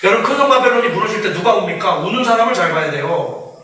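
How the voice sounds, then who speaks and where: Animated preacher in an echoey hall. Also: male voice, high voice, fast talker. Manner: animated, acts out quoted voices, laughs often. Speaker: missionary preacher. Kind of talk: sermon lecture. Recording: echoey hall, far from mic.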